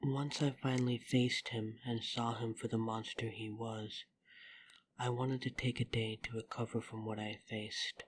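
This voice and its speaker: A woman playing a wounded, earnest vampire in an audio drama, speaking sincerely and haltingly over background noise. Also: extremely low pitch, little pitch movement. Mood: wounded, reflective. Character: earnest, wounded female vampire on trial, in love. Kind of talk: dramatic audio roleplay acting.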